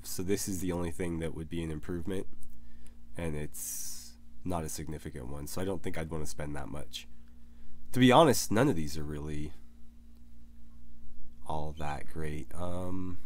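Male let's-play host, low voice, recovering from being sick, relaxed and filler-heavy. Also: a little hiss or hum. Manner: relaxed, thinking aloud with many fillers. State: recovering from lost voice. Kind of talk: casual gameplay commentary.

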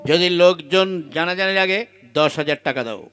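A young club thug acted by a man in a puppet comedy, loud and domineering over background music. He barks like a bullying extortionist. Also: sits high, brisk, clean tone. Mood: menacing. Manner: loud, barking, commanding. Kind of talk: Bengali puppet-show comedy dialogue. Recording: music under the dialogue.

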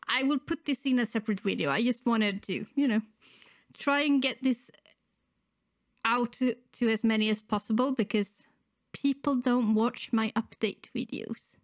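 A middle-aged woman, sick and slightly wheezy, chats casually and hesitantly to camera as a reaction channel host, close on a desktop microphone in a small room at home. Her voice is on the high side at normal speed, with no room sound.

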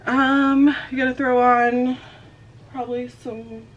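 A woman's voice: high-pitched, flat delivery, takes it slowly, dull audio, a little hiss or hum. Chatty woman rambling to camera. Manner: rambling, chatty, many fillers; talks while putting on makeup. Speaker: vlogger. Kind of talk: casual chat to camera. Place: bedroom at home. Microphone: camera on a desk in front of her.

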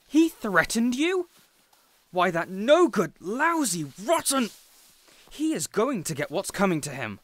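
A man's voice: sits high, big pitch swings, unhurried, a bit bright, dry recording, heavily acted. A man playing an earnest, protective supervillain boss in an audio roleplay, dramatic and easily exasperated. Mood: indignant, exasperated. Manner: earnest, exasperated, wholesome mild oaths. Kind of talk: audio roleplay addressed to the listener.

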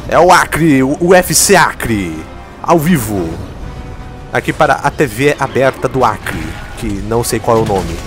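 A man with a mid-range voice and measured pace gives profane, joking let's play commentary as he plays. Faint game music runs behind his excitable remarks, which are heavy on swearing and jabs at the game.

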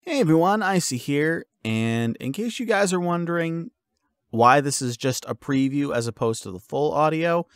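A man giving his listeners a casual update as an audio creator, informal and halting as he thinks aloud. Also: a little high, expressive, clean tone, dry recording, studio quality.

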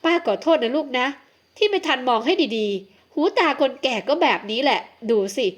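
A woman's voice: sits high, very animated, normal speed. A woman voicing an elderly aristocratic aunt who is doting but bossy, in an audiobook. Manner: fussy, scolding, affectionate. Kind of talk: audiobook character voice.

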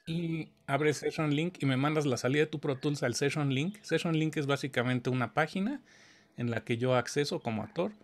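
A man's voice: fairly high pitch, moderate pace. A man, teaching in a casual conversation and explaining dubbing work patiently, often checking whether his listener follows. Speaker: audio engineering teacher.

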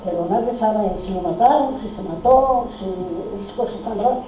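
Older woman, dark mellow voice, echoey room heard from afar. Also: a little high, normal speed, a little hiss or hum. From Spain. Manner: emphatic, restarts often, acts out dialogue. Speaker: oral history participant. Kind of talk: recounting family memories. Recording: roomy, distant, dull lo-fi recording.

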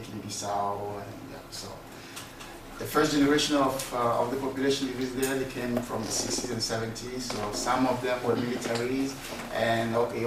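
Very echoey Francophone West African man, noisy. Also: mid-range voice. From Togo. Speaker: tour founder, guest speaker. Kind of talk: informal presentation. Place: small classroom, standing by a screen. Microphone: far camera. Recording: very echoey room, distant mic, noisy.

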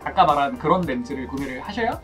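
A young man talks in a casual, explanatory way as he works through a technical setup. His pitch moves around a good deal, and music plays clearly behind him. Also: lively intonation, fast talker. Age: young adult. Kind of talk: casual explaining while working. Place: small bedroom studio, indoors.

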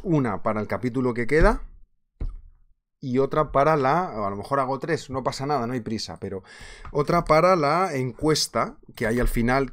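A man in his thirties with a Spain Spanish accent, teaching a live online trading class in a chatty, animated way, laughing often, from a small office on a webcam. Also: mid-range voice. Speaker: trading instructor. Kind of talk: casual live webinar teaching.

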